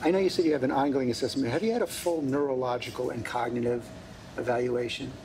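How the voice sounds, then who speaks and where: A man conducts a probing interview and keeps pressing his follow-up questions, often stumbling on the first word. His voice is gravelly with a mid-range pitch. The broadcast clip carries clear background noise. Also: fast talker, darkish tone. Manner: persistent, stammering on the first word. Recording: noisy archive broadcast clip.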